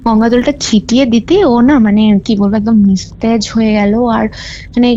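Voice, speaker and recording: A woman's voice: a little high, fairly even intonation, fairly quick, warm tone, a little hiss or hum. A woman telling a true ghost story as a caller, rambling with many fillers and restarts. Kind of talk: casual storytelling over a phone call. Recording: dull lo-fi call recording with faint music.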